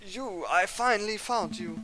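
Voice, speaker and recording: A man's voice: high-pitched, unhurried, pushed and bright, poor audio. A man voicing a menacing male bird assassin who taunts his target in a story game. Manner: taunting, threatening.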